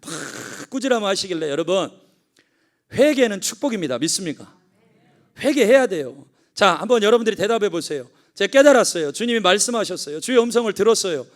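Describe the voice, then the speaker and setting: A middle-aged male pastor with a notably high voice delivers a Korean-language sermon. He tells a family story and shifts between quiet confiding moments and fervent exhortation. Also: big pitch swings, a little fast. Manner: storytelling, swings from hushed to fervent.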